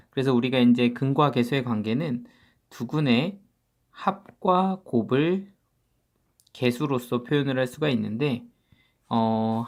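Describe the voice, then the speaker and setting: A man teaching high school math. He works through each step at a steady pitch, posing questions and answering them himself. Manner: explains step by step, often asks and answers himself. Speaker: math tutor. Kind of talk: spoken math lecture.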